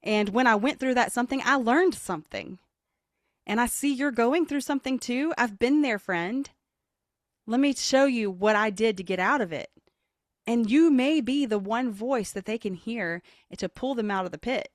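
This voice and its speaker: A woman appears as a podcast guest, a vocal leadership coach speaking at normal speed in studio quality with no echo. She's earnest and motivational, and she expressively demonstrates playful voices with big jumps in pitch.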